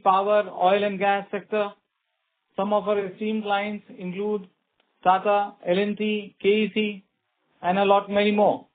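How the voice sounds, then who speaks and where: A middle-aged man with an Indian accent reading a scripted company presentation on an earnings call. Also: sits high. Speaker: company executive. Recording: tinny narrow phone line.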